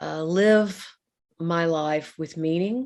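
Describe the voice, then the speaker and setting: Over a quiet background, a woman talks at a very slow pace. Her pitch is very deep and low. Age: 60s. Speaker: clinical psychologist and author. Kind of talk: podcast interview.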